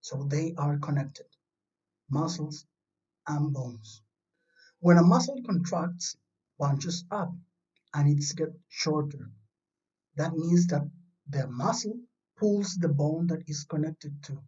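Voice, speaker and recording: Slow, mellow teacher. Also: medium pitch. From Chile. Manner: patient, simple explaining tone, reassuring pupils. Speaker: primary school science teacher. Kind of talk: recorded remote lesson for young children. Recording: distant, dull lo-fi home recording.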